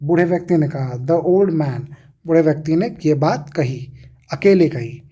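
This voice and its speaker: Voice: medium pitch, unhurried, dark tone, husky. A teacher explaining a lesson, asking questions and answering them while repeating key words. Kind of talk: explaining an English reader lesson.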